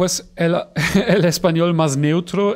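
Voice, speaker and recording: A man talks at a very slow pace with ordinary pitch variation. The recording is very clean, with a silent background. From Germany. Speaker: YouTube reactor. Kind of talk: casual reaction commentary.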